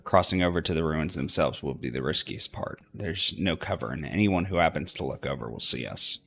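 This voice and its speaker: Expressive male narrator with a creaky low voice. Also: a little fast. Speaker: let's play host reading a visual novel aloud.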